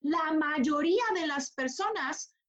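A woman's voice: high voice, slow pace, fairly bright tone. A woman giving a motivational coaching talk, emphatic and repeating phrases for stress.

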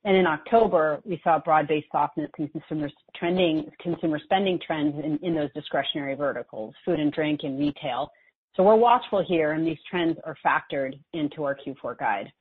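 Low-voiced female executive on a phone line. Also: normal speed, breathy edge. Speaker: company executive presenting financial results. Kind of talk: earnings call commentary, explanatory. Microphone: conference call line. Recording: muffled narrow phone-like call line.

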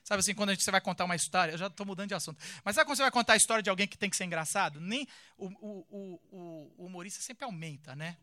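A man with a Brazilian accent who reads a Bible passage and then talks about it in a casual, animated, joking way, full of slangy asides. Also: high voice, rapid-fire, few pauses, no echo, clean studio sound. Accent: Brazilian Portuguese. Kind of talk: casual reading and commentary.

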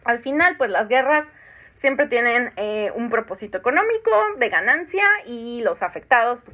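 A chatty Mexican woman in her thirties with a fairly high voice, who laughs a lot as she reads out comments and answers them. The audio is muffled and lo-fi. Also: sharp tone. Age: 30s. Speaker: podcast host. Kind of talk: casual chat reading listener comments.

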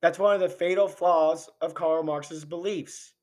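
Slightly high-pitched and a little mellow, the man keeps a steady tone and a measured pace. He hosts a podcast and is giving a fervent political commentary full of rhetorical questions even as his voice gives out.

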